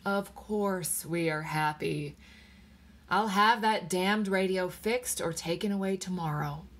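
A woman's voice: medium pitch, steady tone, normal speed, fairly bright tone, natural voice. A woman voicing a tired, exasperated husband in a story, firm and remonstrating. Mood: tired, soothing. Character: weary, exasperated husband, reasoning and reassuring.

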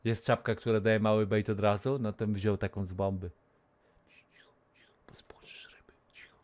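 A man in his thirties streaming a game from a small room on a headset mic, talking casually, cursing and yelling at the game, sometimes dropping to a whisper. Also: lowish voice, moderate pace. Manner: excitable, swears, yells at the game, then drops to a whisper. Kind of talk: casual live gameplay commentary.

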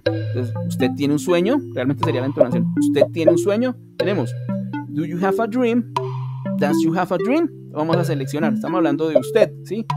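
A man with a Colombian accent teaching an English class online, explaining step by step and checking in with his students. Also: on the high side. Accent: Colombian Spanish. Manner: patient, explains step by step, often asks "¿sí?".

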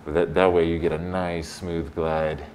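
A man's voice: low voice, little pitch movement, normal speed, a little mellow. An American man working as a barber and host, chatting casually in a laid-back, slangy way. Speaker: barber hosting a barbershop video. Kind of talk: casual chat while cutting hair. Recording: clear shop noise with buzzing electric clippers. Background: electric shaver buzz.

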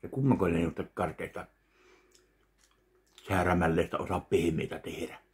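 A man in his thirties sits in his home kitchen, speaking close to a webcam with a low-pitched voice. He tastes candy and comments slowly and plainly, pausing to chew between remarks. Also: fairly even intonation, darkish tone. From Finland. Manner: slow, chewing between remarks. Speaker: candy taste-test vlogger. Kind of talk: casual tasting commentary. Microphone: webcam at desk distance.

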